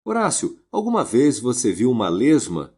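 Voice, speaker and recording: A man voicing a stern older master who dryly mocks his lazy apprentice, with a husky voice. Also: medium pitch, wildly swooping pitch, moderate pace, darkish tone. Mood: mocking.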